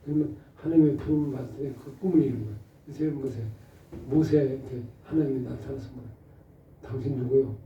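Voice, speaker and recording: A middle-aged male pastor giving an animated Bible study, asking rhetorical questions and acting out short exchanges. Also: medium pitch, quick pace, slight background noise. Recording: muffled roomy audio from a distant mic.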